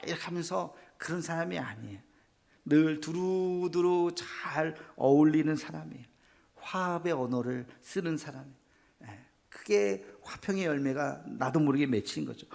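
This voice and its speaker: A man's voice: a little high, gravelly. A middle-aged man preaching a sermon as pastor, asking the congregation questions and acting out little scenes.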